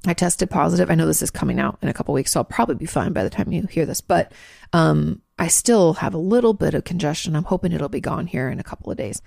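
Deep, gravelly and mellow, this woman's voice moves fast in a clean studio recording with no echo. Congested and clearing her throat, she hosts a podcast and answers listener questions frankly in casual advice talk, with lots of fillers and restarts.

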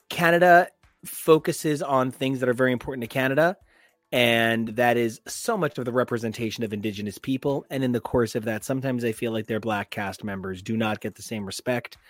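A man's voice: mid-range voice, moderate pace, dry recording, faint music behind. A man co-hosting a pop culture podcast, chatting casually and gushing about shows, with lots of fillers. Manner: animated and gushing, with frequent fillers. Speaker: podcast co-host. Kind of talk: casual chat.

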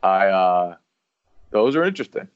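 A man's voice: low voice, big pitch swings, normal speed, clear, resonant tone, no echo. A man co-hosting a casual sports podcast, easygoing and self-mocking, often stumbling over his words. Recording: dry, slightly dull lo-fi audio.

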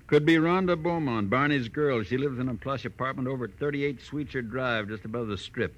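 An actor playing a jovial, shifty crook boss who runs a garage, chuckling and wheedling in a 1940s radio crime drama. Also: male voice, medium pitch, brisk, lightly acted. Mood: smug, joking. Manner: chuckling, smug, wheedling, slangy. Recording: muffled vintage radio recording.

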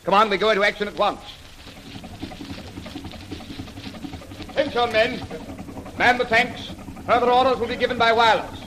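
An actor playing a clipped, authoritative army colonel who gives orders in a 1930s radio drama. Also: male voice, very high-pitched, fairly even intonation, fast talker, sharp tone, rough recording. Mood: commanding. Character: commanding army colonel leading tank squadron. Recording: faint hiss of an old radio recording.

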